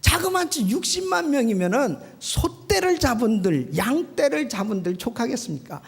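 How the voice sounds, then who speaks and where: An exasperated, indignant old prophet complains to God, as a preacher acts him out in a sermon. The voice is gravelly and husky and swoops up as the protest grows. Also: mid-range voice, big pitch swings, normal speed, full character voice.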